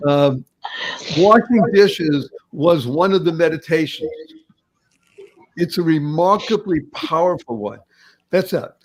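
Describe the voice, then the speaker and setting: A man in his seventies hosts a casual podcast chat, his voice sitting a little high for a man. He talks in an animated, rambling way, laughing easily and doubling back on his words. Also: slow pace, long pauses, rough recording. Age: 70s. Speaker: podcast host.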